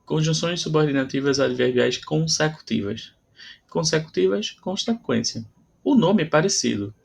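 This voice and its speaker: A man's voice: fairly high pitch, lively intonation, moderate pace, creaky, husky. A man with a Brazilian Portuguese accent teaching a grammar lesson, explaining patiently and checking in with frequent "tá?" between examples.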